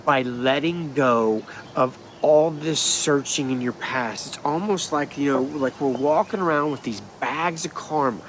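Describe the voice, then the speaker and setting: A middle-aged man with a congested, nasal voice speaks to his camera in a leafy yard, rambling and restarting as he goes. Faint insects and far-off traffic sit softly behind him. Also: mid-range voice, a little slow, hardly any pauses. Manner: rambling, animated, restarts often. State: stuffed-up, nasal. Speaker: spiritual healer. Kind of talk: casual vlog monologue. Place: outdoors in a wooded yard. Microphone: phone or camera at arm's length.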